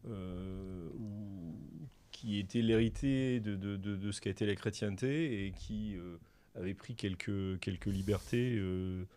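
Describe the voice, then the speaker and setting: A man on a panel, putting a halting question to the others. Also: on the low side, mellow. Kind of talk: casual panel discussion.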